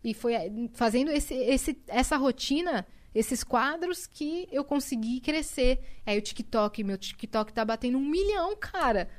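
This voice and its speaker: A young woman guest on a podcast in a studio, telling lively stories and laughing often. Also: high voice, measured pace, few pauses. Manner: lively storyteller, laughs a lot. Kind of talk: casual podcast chat.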